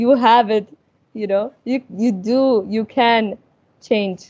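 In an Arabic accent, a woman speaks at a fairly high pitch with fairly even intonation, the sound dry and close with no echo. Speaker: dentist and author. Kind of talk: interview. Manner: halting.

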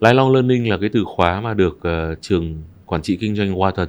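A man's very deep voice at a fairly quick pace, with normal pitch movement, in a very clean recording with a silent background. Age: 50s. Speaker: business leader and university executive.

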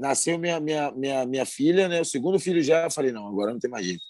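A man at a very fast pace, fairly high-pitched, with lively intonation over a quiet background. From Salvador, Bahia, Brazil. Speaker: comedian. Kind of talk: casual chat.

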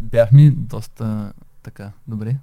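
The man's voice has a dark, mellow tone and lively intonation. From Bulgarian provinces. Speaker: podcast host. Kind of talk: casual interview. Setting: improvised studio.

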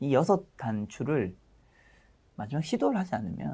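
A man with a dark, mellow tone and vocal fry talks at a moderate pace, his pitch swinging very widely. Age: 40s. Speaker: author and finance YouTuber. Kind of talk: interview.

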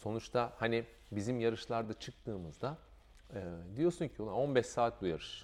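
Using lively intonation at a moderate pace, a man talks in an unremarkable speaking voice. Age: 40s. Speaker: ultramarathon runner and coach. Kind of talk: casual chat.

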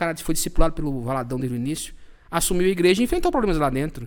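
A man is speaking. His pitch sits fairly high. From Brazil, interior of Ceará (Northeast). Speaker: podcaster and former pastor. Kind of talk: casual interview.

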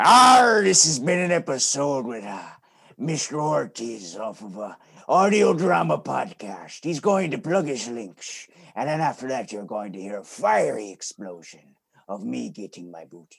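Raspy and at medium pitch, a man performs a put-on character voice with very wide pitch swings at a moderate pace. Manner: jokey, theatrical.

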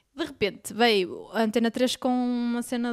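In a plain, everyday voice, a woman speaks at a fairly high pitch with ordinary pitch variation. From Porto, Portugal. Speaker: comedian and pathologist doctor.

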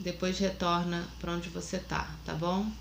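A woman speaks in a calm tone. There is noticeable background noise. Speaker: meditation guide. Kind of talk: guided meditation. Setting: video call, live Zoom broadcast. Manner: slow, calm, soft-spoken, with long pauses.

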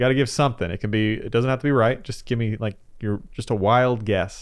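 An unremarkable speaking voice from a man, medium in pitch, with ordinary pitch variation and a fairly quick pace. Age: 30s. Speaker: podcast host. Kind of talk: casual chat. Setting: studio.

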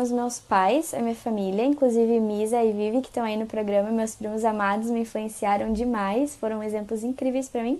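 A woman with a plain, everyday voice speaks at a moderate pace and a fairly high pitch. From Rio Grande do Sul, Brazil. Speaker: pre-recorded contributor. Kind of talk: recorded video message.

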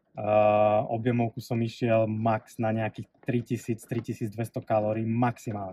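Speaking in a monotone, flat intonation at a medium pitch, a man has a dark, mellow tone that is somewhat breathy, with a dry, close sound and no echo. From eastern Slovakia. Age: 30s. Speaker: bodybuilder. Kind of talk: casual interview. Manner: hesitant, many fillers.

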